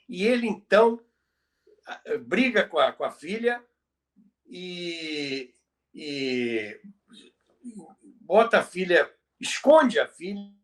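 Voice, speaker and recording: High-pitched, slow-talking older Brazilian man. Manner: emphatic, repeats phrases, halting delivery. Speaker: podcast host and storyteller. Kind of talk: conversational retelling of radio history.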